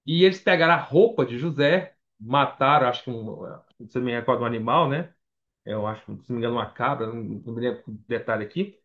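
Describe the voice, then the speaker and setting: A man's voice: medium pitch, fast talker, a bit bright. A Brazilian man preaching a Bible study at church, conversational, reading scripture aloud between casual remarks. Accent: Brazilian Portuguese. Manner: conversational, reads scripture aloud, frequent fillers. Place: church meeting hall. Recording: dull lo-fi church recording.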